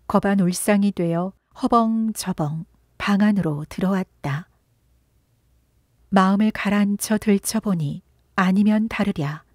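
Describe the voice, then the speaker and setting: A woman narrating a literary audiobook in a gentle, unhurried storytelling voice that sometimes drops into a whisper. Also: medium pitch, dry recording, studio quality. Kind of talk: soft literary audiobook reading.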